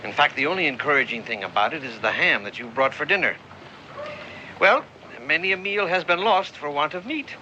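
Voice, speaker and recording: An actor playing a genial, wise older male printer with a lively, lightly humorous manner in a television drama. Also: on the high side, a little fast, highs cut off, slight background noise. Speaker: Benjamin Franklin figure.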